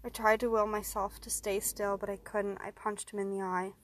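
A woman's voice: medium pitch, flat delivery, normal speed. Woman narrating a first-person horror story.

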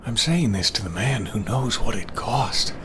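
An actor playing a haunted, weary male adventurer in a horror audio drama, with a halting, brooding manner. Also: on the low side, expressive, slight background noise.

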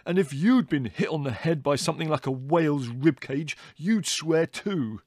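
A man's voice: on the high side, expressive, normal speed, a little mellow, no echo, pitched above the performer's own voice. A man voicing an irate young man who snarls and swears at his family. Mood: furious.

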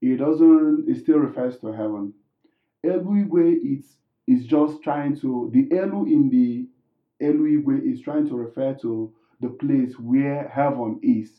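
A man whose first language is Igbo, patiently explaining words and tones in a casual language lesson, often pausing with um and uh. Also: medium pitch, reverberant, phone-quality sound. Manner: explains patiently with many ums and restarts.

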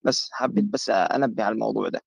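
A man's voice: on the low side, rapid-fire, gravelly, breathy edge, no echo, lo-fi sound. A man in a casual online debate, emphatic and repeating himself to agree.

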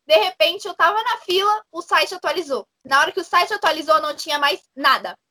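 A young woman tells a story in casual chat. Her voice sits high and sounds bright and clear. She talks in an animated way, full of fillers. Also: brisk. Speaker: guest.

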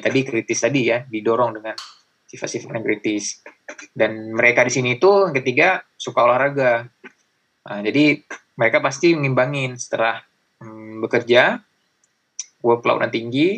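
Gravelly-voiced young man chatting casually. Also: mid-range voice, a bit bright. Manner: chatty, many fillers, acts out greetings. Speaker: guest. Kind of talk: casual chat.

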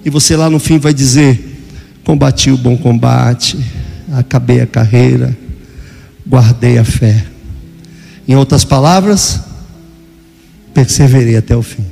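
An older man preaching a sermon as pastor, dramatic, acting out voices and sometimes shouting. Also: mid-range voice, unhurried, vocal fry, pauses often, long reverb tail, faint music behind.

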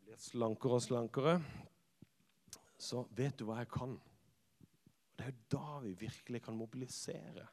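A man, a church youth leader telling a personal story in a sermon, swinging from lively to hushed. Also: medium pitch, long pauses. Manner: lively storyteller who acts out quotes and drops to hushed tones. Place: church hall. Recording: long reverb of a church hall.

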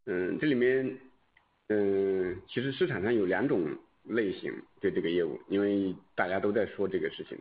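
A man with a very deep voice answers as a company executive on a conference call. His phrasing is deliberate and halting. The line is narrow and phone-like.

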